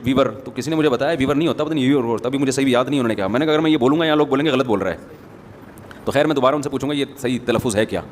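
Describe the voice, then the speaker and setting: This Islamic preacher, mid-range in voice, talks to the crowd in a conversational sermon sprinkled with joking asides. There's slight background noise, faint ambience and a long reverb from the hall.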